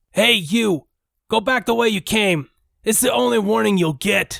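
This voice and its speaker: A put-on character voice from a man, high in pitch, at a moderate pace. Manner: harsh, warning.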